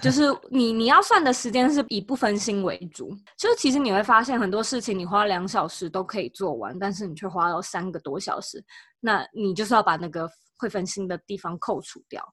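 A woman, speaking as an interview guest. She lays out practical advice step by step in a relaxed, chatty way. Her voice sits at a medium pitch and is recorded close and dry. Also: brisk, dry recording. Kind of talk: casual interview chat.

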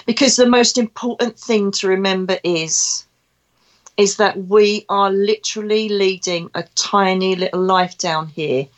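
Essex accent woman doing a chatty spiritual podcast, medium pitch, really emphatic, talks right at you. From Essex, England. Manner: chatty and emphatic, with rhetorical questions. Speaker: podcast host and psychic medium. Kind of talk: conversational spiritual monologue.

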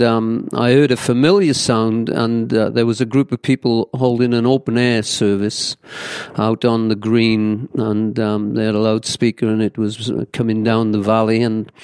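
A man's voice: medium pitch, a little mellow, clear, resonant tone, no echo, clean studio sound. A man in his seventies with a Welsh accent, a pastor telling his life story in an interview in an earnest, reflective way with many fillers. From Wales. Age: 70s.

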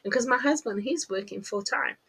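A woman's voice: mid-range voice, a little fast, creaky, bright, forceful tone, husky, low-quality recording. A woman with a New Zealand accent, chatting casually to camera from her home office as a podcast host, laughing at herself often.

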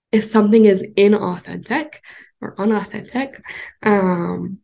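Congested young woman podcast host with a husky, gravelly voice, musing aloud and pausing often. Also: medium pitch, a little mellow. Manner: thoughtful, rambling, many ums and pauses. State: congested from a cold. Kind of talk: casual solo podcast talk.

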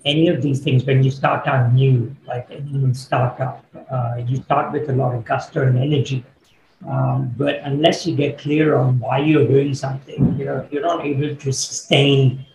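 A middle-aged man, born in Kenya and raised in the UK, answering interview questions as a business coach in a thoughtful, measured way with fillers. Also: medium pitch, level tone, vocal fry, darkish tone. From born in Kenya, grew up in the UK. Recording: echoey room, faint background noise.

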